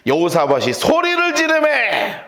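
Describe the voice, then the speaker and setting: Man, pastor, Bible study lecture, high voice, echoey church hall. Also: unhurried, gravelly. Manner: animated, acts out scenes with shouted quotes.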